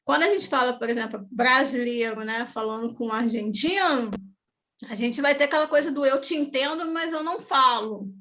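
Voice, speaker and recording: A Brazilian woman teacher with a high voice talks easily and at length. She keeps checking in with her listeners through little tag questions. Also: normal speed, a bit bright. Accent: Brazilian Portuguese. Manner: chatty, often adds tag questions. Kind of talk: casual talk on language and culture.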